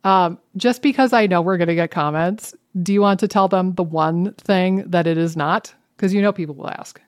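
A woman's voice: lowish voice, moderate pace. Woman, podcast co-host, casual chat, playful, dramatic asides. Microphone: webcam setup.

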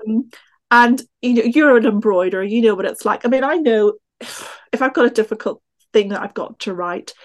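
A woman's voice: on the high side, a little fast. Thoughtful Northern Irish woman in conversation. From Northern Ireland. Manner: thoughtful, discursive, explanatory. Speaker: guest, textile historian and teacher. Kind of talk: conversational podcast interview answers.

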